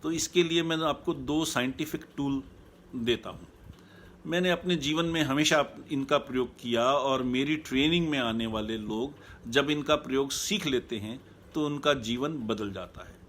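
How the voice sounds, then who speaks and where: Male coach, mid-pitched, calm and measured, repeats key points to a live online audience; faint noise behind. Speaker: happiness coach.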